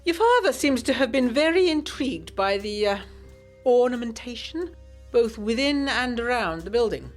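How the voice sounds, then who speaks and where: Lady doing a polite but slightly sinister doctor man, formal n measured, swoopy pitch, gothic radio play. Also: expressive, faint music behind, close to an everyday voice. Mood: courteous, probing. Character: visiting male doctor, courteous, probing, faintly sinister.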